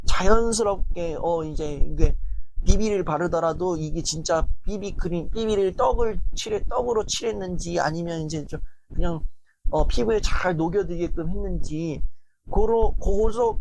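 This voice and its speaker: A lecturer giving a motivational talk in a colloquial, animated way, with lots of filler words, who acts out people's inner thoughts. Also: medium pitch, slight background noise, poor audio. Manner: repetitive filler-heavy phrasing.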